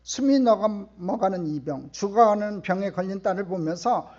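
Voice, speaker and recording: A middle-aged man preaching a sermon in a church, emphatic and questioning the congregation, often swelling to loud outbursts. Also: sits high, moderate pace, muffled recording. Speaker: pastor. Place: church sanctuary.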